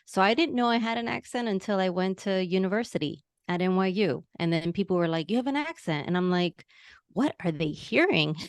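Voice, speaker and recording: A woman's voice: medium pitch, expressive, fairly quick, dry recording. Bubbly New York woman with a Latina tinge. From New York, United States. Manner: bubbly, enthusiastic. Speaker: podcast guest, coach. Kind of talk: interview conversation.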